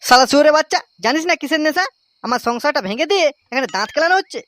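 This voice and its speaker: Guy doing a jealous cartoon husband from bengal, west bengal accent, really high voice, talks fast, blustery and crude. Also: expressive, fairly bright tone. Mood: furious, threatening. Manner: blustering, coarse, threatening. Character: hot-headed, jealous, foul-mouthed village husband. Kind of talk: comic cartoon voice acting.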